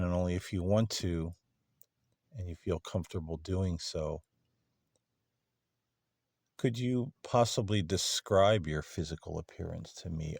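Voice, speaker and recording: A man with a low, creaky voice speaks at an unhurried pace, pausing often as he politely poses questions in a paranormal contact session. His delivery is tentative and unscripted, and the sound is close and dry. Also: dark tone, no echo. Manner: polite, tentative, halting with pauses. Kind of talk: slow, spontaneous questions addressed to unseen beings.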